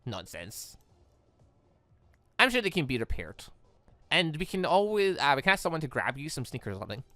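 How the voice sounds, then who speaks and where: A man voicing a calm, devoted young gentleman from a visual novel, gentle, earnest and reassuring. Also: on the high side, a little fast, no room sound, soft background music.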